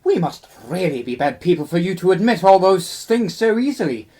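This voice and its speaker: A woman playing a droll, dim-witted dead soul with a husky voice in a radio play. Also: lowish voice, big pitch swings, fairly quick, warm tone.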